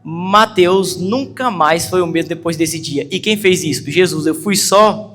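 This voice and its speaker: A man's voice: a little high, measured pace, fairly bright tone, slight background noise. A man with a Brazilian Portuguese accent preaching a sermon, telling a story earnestly and building to urgent emphasis. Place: church hall. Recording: long hall reverb with faint music.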